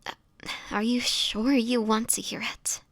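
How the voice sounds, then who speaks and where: A frail, haunted vampire woman voiced by an actress speaks close and dry, in a breathy near-whisper. She is fearful and sorrowful, halting often as she confides in an audio drama. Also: on the high side, little pitch movement, fairly bright tone, dry recording. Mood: hesitant, sorrowful. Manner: halting, hesitant storytelling with pauses. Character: sickly, fearful homeless young vampire woman, sorrowful and hesitant. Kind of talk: intimate dramatic audio roleplay monologue.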